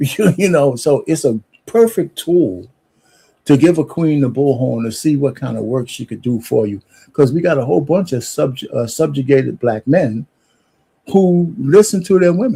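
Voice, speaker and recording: A man's somewhat breathy, dark, mellow voice, fairly high in pitch, with an American accent at a moderate pace. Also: lively intonation. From New York. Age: 60s. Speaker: podcast host. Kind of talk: opinion monologue. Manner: animated.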